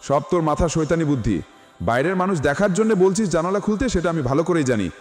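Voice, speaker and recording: A man's voice: fairly high pitch, expressive, fast talker, a little mellow, close to an everyday voice. A man voicing a strict, bossy young man in a storybook, scolding and giving orders. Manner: scolding, commanding. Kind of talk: storybook character voice. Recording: reverberant with music behind.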